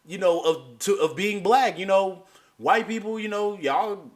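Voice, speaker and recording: A man hosting a reaction video, talking in a loose, animated way and laughing through his points. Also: high-pitched, measured pace. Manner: animated, keeps saying "you know what I'm saying". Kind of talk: casual chat.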